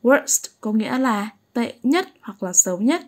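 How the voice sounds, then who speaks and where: Slow, patient woman teaching English. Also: a little high, very animated, darkish tone. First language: Vietnamese. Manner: patient, keeps asking "right?" to check understanding. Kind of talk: slow explanatory lesson.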